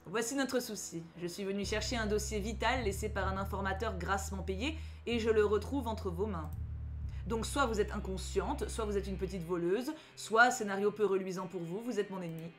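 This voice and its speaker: Tommy Shelby, a woman reading as a calm gang boss. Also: medium pitch, moderate pace, faint music behind, natural voice. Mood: coolly menacing. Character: cool-headed male gang leader, calm and menacing. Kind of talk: reading a story aloud.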